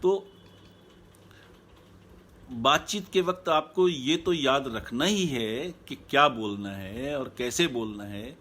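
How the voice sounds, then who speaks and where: A man speaking as a happiness coach in a live online talk, calm and measured, repeating his key points. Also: mid-range voice.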